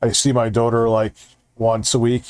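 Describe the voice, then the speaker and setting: Man, livestream host, mid pitch, rambling, profane, casual, dry close mic. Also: completely flat delivery, normal speed, a little mellow, smooth, no echo. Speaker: streamer and show host.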